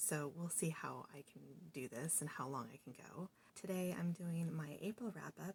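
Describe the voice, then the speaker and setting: A soft-spoken, somewhat breathy woman's voice, fairly low in pitch, with ordinary pitch variation. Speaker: book reviewer. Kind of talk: casual chat. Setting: at home late at night.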